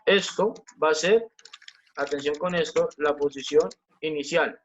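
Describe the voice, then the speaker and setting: A man's voice: fairly high pitch, unhurried, dull audio. A man teaching a physics class online, explaining step by step, repeating key points and asking the students questions.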